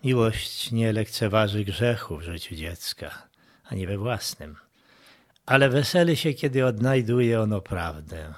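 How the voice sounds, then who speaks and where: A man reads a devotional text aloud at a slow, deliberate pace. His voice sits low and drops to a hush at times. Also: expressive. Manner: measured, with hushed passages. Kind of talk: devotional reading.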